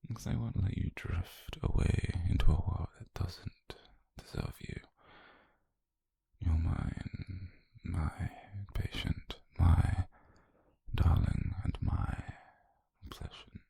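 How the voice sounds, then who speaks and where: A British man playing a calm, possessive, obsessed doctor in an intimate ASMR roleplay, speaking slowly and haltingly in a husky, breathy near-whisper. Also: low-pitched, no room sound, exaggerated voice. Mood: obsessive, intimate. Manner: slow, halting, intimate delivery.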